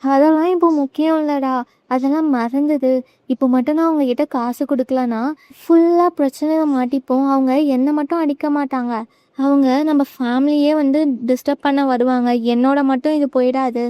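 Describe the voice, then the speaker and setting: A woman's voice: high voice, fairly even intonation, moderate pace, dry recording, lo-fi sound, lightly acted. A woman voicing a frightened young man in debt, pleading tearfully with his brother in a retold drama.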